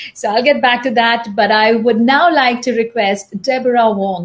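Speech at a moderate pace with ordinary pitch variation. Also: woman. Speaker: panel moderator, leadership coach. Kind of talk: moderated panel discussion. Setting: video call. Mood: warm, smiling. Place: home room. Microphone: video call.

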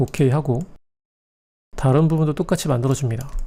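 Somewhat breathy, a man speaks at a fairly quick pace with fairly even intonation. His tone is dark and mellow. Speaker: 3D modeling instructor. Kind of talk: tutorial.

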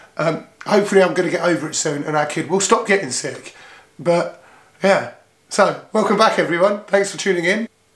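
A man with a high pitch is heard with audible room echo. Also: ordinary pitch variation, fairly quick pace. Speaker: cycling vlogger. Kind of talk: casual vlog. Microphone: no microphone used, camera audio.

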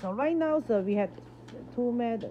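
Light background noise sits behind a woman's fairly high voice. Her pitch swings very widely. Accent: Chinese. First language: Chinese. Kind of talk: sales pitch. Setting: video. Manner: animated. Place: shop. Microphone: phone near.

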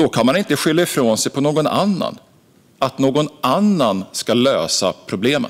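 A man's fairly high voice with vocal fry, lively intonation, very even loudness and a moderate pace. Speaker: politician, party justice spokesperson. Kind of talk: parliamentary debate speech. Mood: firm, critical. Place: hall. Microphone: podium.

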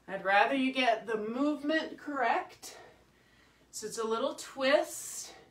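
A woman speaks in an energetic tone with a high pitch and lively intonation, and audible room echo surrounds her. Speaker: fitness instructor. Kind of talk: live-streamed fitness class, barked exercise cues and countdowns. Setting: video call. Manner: brisk, energetic, encouraging, rhythmic counting. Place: home room. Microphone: camera far.

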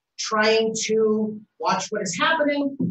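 A woman's voice shows ordinary pitch variation, with audible echo from the room. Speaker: resident giving public comment. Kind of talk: public comment at a meeting. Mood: concerned, earnest. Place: meeting room. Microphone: camera far.

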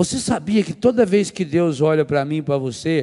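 This man has a fairly high voice with a dark, mellow tone. He speaks at a moderate pace against a quiet background. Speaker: preacher. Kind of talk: sermon at a camp. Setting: camp, live audience. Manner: animated; humorous, exaggerating. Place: church. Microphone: handheld.

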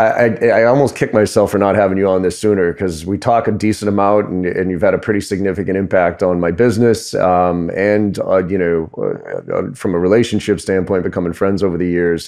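Here is a man with a plain, everyday voice and a fairly low pitch. He talks at a fairly quick pace with hardly any pauses and fairly even intonation. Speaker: podcast host. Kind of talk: interview host chat. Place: home room. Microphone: studio mic.

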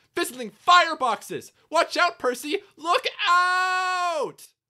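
A put-on character voice, extremely high in pitch and very slow in pace. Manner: excited, alarmed.

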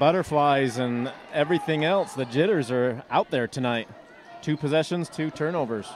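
A plain, everyday voice moves at a moderate pace with ordinary pitch variation, in a dry sound with no echo and light background noise. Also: man, fairly high pitch for a man. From Utah, US. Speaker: color commentator. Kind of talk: live color commentary at a high school basketball game. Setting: courtside broadcast booth at a high school gym. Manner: casual, conversational analysis. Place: hall. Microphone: headset.

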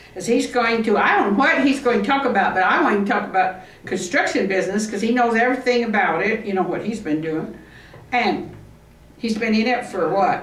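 Fairly quick and lively, a woman's fairly high voice carries audible room echo. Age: 80s. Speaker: vlogger and aspiring memoir author; home vlogger. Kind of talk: casual vlog monologue. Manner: rambling, halting. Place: home room. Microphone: camera far.

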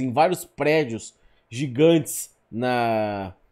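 A man's animated tone comes through over a quiet background. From São Paulo state interior (Presidente Prudente area). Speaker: streamer reacting to videos. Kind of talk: casual live-stream reaction commentary. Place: home room. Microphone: studio mic.

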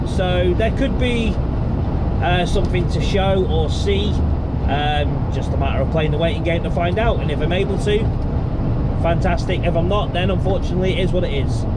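A man at a moderate pace with ordinary pitch variation, over loud background noise. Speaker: lorry driver vlogger. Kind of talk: casual vlog chat. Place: car. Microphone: camera far.

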